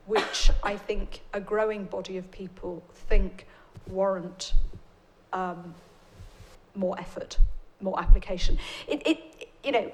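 A woman, an invited expert answering an audience question at a public lecture in a measured, explanatory way with emphatic rises. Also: mid-range voice, darkish tone, slight background noise, poor audio.

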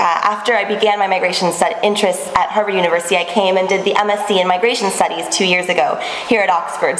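Young woman presenting research, measured and clear, roomy echo, long reverb tail, faint background noise. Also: mid-range voice. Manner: clear, measured lecturing with occasional restarts. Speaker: conference panel presenter. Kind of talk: academic presentation. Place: small seminar room.

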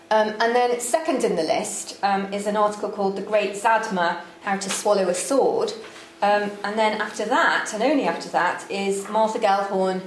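A woman giving a lecture on slides, measured and dry-witted, with frequent ums. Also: mid-range voice. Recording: echoey room with faint background noise.

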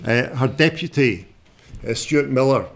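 A Scottish journalist in his sixties gives an unscripted public talk in a broad, strong accent at a middling pitch. His voice is creaky yet animated, and his delivery is informal, plain-spoken and somewhat halting.

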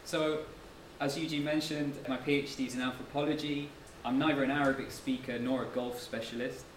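A man's voice: mid-range voice, flat delivery, a little fast. A man giving a public lecture as a guest speaker, talking in a modest, conversational way in a lecture room. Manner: modest, slightly self-deprecating, conversational. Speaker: guest speaker, author and anthropologist. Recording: echoey room from far off, noisy.

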